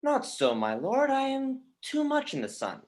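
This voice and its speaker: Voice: high-pitched, wildly swooping pitch, a little slow, heavily acted. An actor playing a grieving, bitter young prince in a livestreamed Shakespeare reading, with brooding, emphatic verse delivery. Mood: sardonic.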